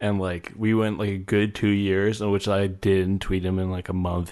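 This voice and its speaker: A man with a normal speaking voice speaks in an American accent at a moderate pace. His pitch is fairly low and his intonation fairly even. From New York. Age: 20s. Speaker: musician. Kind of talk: casual interview. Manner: casual, slangy.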